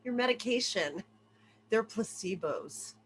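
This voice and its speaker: A woman's voice: medium pitch, lively intonation, slow, a little hiss or hum. A woman playing a bored teenage pharmacy girl who taunts dryly, in an amateur table read. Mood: bored, scornful. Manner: dry, taunting.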